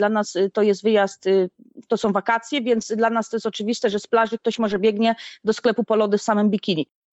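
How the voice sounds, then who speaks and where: A woman with an unremarkable speaking voice talks at a fairly high pitch and a fairly quick pace. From Poland, Stalowa Wola. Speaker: guesthouse owner and author. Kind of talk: interview.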